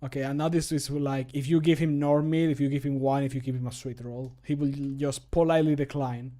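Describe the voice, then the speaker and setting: A man's voice: mid-range voice, level tone, brisk, mellow. A man in his thirties chatting casually and jokily on a livestream while recording voice lines at home. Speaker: streamer recording mod voice lines. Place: small home room.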